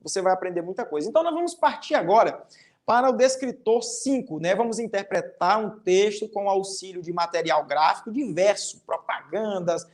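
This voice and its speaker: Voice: medium pitch, expressive, normal speed. A teacher with a Brazilian Portuguese accent giving a recorded online class to young pupils. The teacher explains step by step, often ends phrases with a tag question, and reads out example lines with exaggerated intonation.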